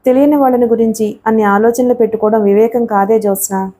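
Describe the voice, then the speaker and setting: A woman voicing a playful, caring young female student who coaxes her friend with gentle banter. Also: on the high side, fairly even intonation, quick pace, natural voice. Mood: coaxing.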